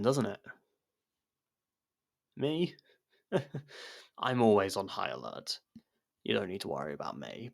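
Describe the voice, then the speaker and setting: A man playing an abrasive but protective murderer turned investigation partner in an intimate ASMR audio drama, speaking in a halting, guarded way. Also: mid-range voice, creaky, exaggerated voice. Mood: curious, wary.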